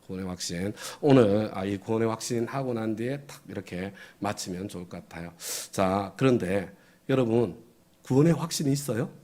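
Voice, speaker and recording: A man's voice: on the low side, moderate pace, dark tone. A middle-aged man preaching a sermon as pastor, conversational, often asking the congregation questions and chuckling.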